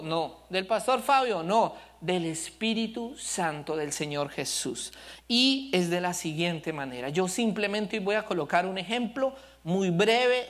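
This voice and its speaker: A man's voice: high voice, fairly bright tone. A male pastor preaching a sermon, telling stories with animation and asking the congregation questions. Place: church service.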